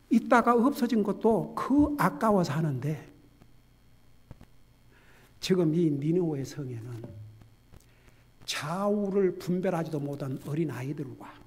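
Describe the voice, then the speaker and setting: A Korean pastor voicing God as a stern, fatherly figure rebuking a prophet, spoken slowly and low within a sermon. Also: breathy edge.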